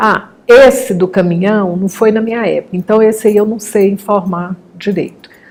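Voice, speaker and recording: A woman with an ordinary speaking voice at medium pitch talks at a moderate pace, keeping her intonation fairly even. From Anápolis, Goiás, Brazil. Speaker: retired labour court civil servant. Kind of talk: oral history interview answer.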